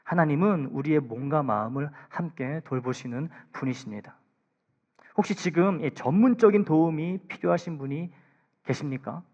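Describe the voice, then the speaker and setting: A man preaching a sermon as pastor in a church, pleading, with hushed asides and raised emphatic lines. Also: fairly high pitch, normal speed, dull audio. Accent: Korean. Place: church sanctuary.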